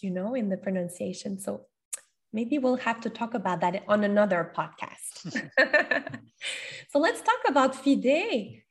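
A woman from Canada with a Quebec French accent, hosting a casual interview with effusive enthusiasm over a video call. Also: mid-range voice. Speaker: podcast host and language school representative.

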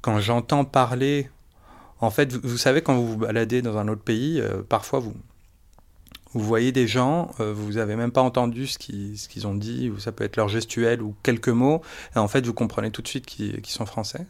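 A man with a gravelly voice and a mid-range pitch gropes for his words. He talks hesitantly, restarting phrases as he goes. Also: steady tone, moderate pace, a little mellow. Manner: searching, hesitant, many restarts. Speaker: interviewee. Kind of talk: personal testimony.

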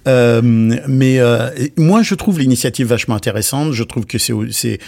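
A man co-hosting a podcast in casual chat, animated and joking, with many restarts. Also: mid-range voice, normal speed, creaky. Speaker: podcast co-host.

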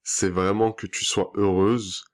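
Speaking a little slowly with a lowish, fairly flat pitch, a podcast host who works as a relationship coach conducts an interview and wraps up with an outro. He keeps things encouraging and affirming toward guest and listeners alike, with plenty of back-channel hums.

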